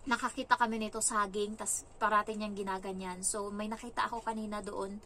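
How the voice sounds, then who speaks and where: A young woman from the Philippines, working as a household caregiver, tells stories in a casual vlog and acts out what people said in a raised, lively voice. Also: medium pitch, brisk, slight background noise. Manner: animated, acts out quoted lines in a raised voice.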